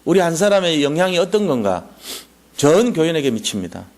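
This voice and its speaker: A male pastor preaching a Friday night sermon. He is animated and drops into soft, low asides. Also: fairly quick.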